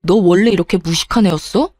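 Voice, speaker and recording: Brief: a woman playing a defensive young fiancé, mellow dragging delivery, dry and close. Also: lowish voice, fast talker, no echo, faint music behind, lightly acted. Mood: furious. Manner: sulky, dismissive, sneering.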